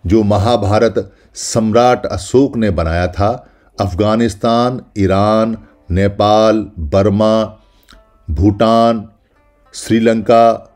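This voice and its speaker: Slow, deep-voiced solemn male narrator. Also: fairly even intonation, a little mellow, faint music behind. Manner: solemn, speaks as the caves themselves in first person; deliberate, lists names one by one. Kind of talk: scripted documentary narration. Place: voice-over.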